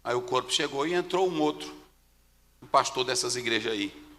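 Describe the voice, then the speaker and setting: A Brazilian Portuguese-speaking male pastor preaching a sermon, telling stories with dramatic swings from hushed tones to shouts. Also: medium pitch, expressive, normal speed, big-room sound. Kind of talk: sermon with storytelling. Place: church.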